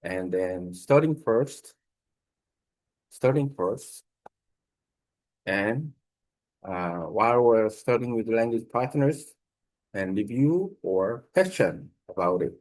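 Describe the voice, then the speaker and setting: Slow, low-voiced man explaining in halting English. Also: expressive, a little mellow, rough recording. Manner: halting, simple non-native English with searching pauses. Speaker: language learner giving a lesson. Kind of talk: unscripted explanatory talk.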